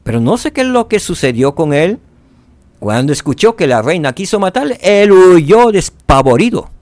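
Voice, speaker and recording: A man teaching a scripture lesson, asking rhetorical questions and dropping to soft tones for emphasis. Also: on the high side, sing-song, a little fast, no echo.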